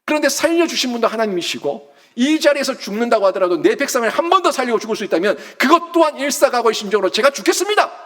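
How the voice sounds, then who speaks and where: A male pastor rushes through his sermon with few pauses, his high voice swinging broadly in pitch. Animated and emphatic the whole way, he keeps posing rhetorical questions to the congregation.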